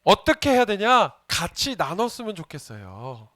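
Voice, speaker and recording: High, bright-voiced man preaching to children. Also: wildly swooping pitch, moderate pace, no echo. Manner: playful, asks the children questions and jokes with them. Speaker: junior pastor. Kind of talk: children's sermon.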